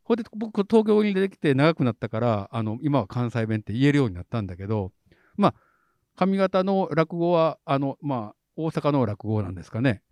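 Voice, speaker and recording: A man with an Osaka accent, chatting casually as a podcast guest, lively and full of fillers. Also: mid-range voice, fairly quick, dry recording. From Osaka, Japan. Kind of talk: casual chat.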